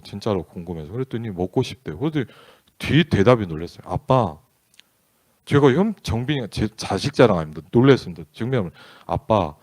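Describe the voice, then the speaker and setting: Telling a family story in a storytelling sermon, a male pastor speaks candidly and conversationally, acting out bits of the dialogue. His voice is lowish and darkish, with no room sound.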